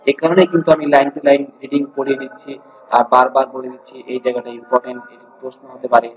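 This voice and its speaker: A man's voice: mid-range voice, little pitch movement, quick pace. Man, Bangladeshi accent, teacher, repeats key points, asks and answers his own questions, dull lo-fi sound. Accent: Bangladeshi Bengali. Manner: mixes English words into his explanations. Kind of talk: classroom lesson explaining grammar. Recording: dull lo-fi recording with faint noise.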